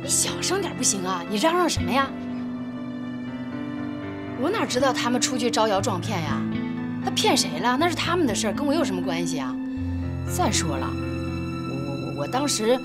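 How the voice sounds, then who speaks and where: A stubborn middle-aged official in a TV drama, brushing off her brother's worries in a brusque, defensive way. Her voice is lively and expressive, with music underneath. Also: fairly high pitch, moderate pace, pauses often.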